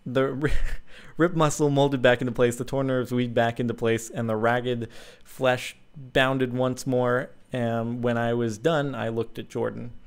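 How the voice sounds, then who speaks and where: A young man, host of his channel, casually reading a fan story aloud with frequent ums and chuckling asides. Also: medium pitch.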